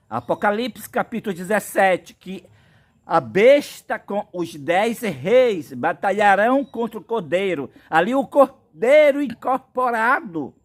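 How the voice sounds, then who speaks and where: A man from Brazil delivers a prophetic sermon in a high voice. He speaks slowly and insistently, stacking up biblical references. His preaching is earnest and drawn out.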